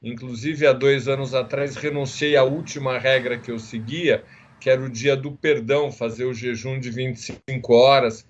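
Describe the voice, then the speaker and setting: Man in his 60s, interview guest, measured storyteller, dull lo-fi sound. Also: medium pitch, fairly even intonation. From Israel. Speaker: guest psychiatrist. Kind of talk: casual interview.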